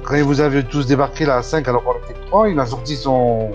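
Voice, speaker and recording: A man's voice: medium pitch, steady tone, fast, muffled recording, over music. A man improvising a streetwise gang member arguing his side in a gaming roleplay. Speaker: GTA roleplay player.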